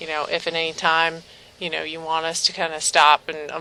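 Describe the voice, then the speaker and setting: This woman has an ordinary speaking voice, pitched fairly low. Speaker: police detective. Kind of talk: police interview. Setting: police interview room.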